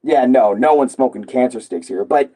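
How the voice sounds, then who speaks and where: A young man with a hoarse voice, a gaming streamer ranting casually and loosely to his viewers, swearing and rambling with lots of fillers. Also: mid-range voice, normal speed, warm tone.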